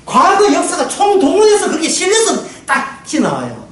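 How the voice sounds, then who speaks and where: Male pastor, animated sermon, laughs a lot, very echoey church hall, distant mic, faint hiss. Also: very high-pitched, moderate pace. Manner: lively, laughing often, asks the crowd "예?".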